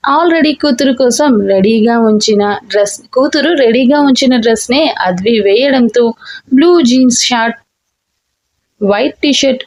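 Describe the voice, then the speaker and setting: A woman storyteller narrating a romantic audiobook story in a steady, expressive reading. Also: on the high side.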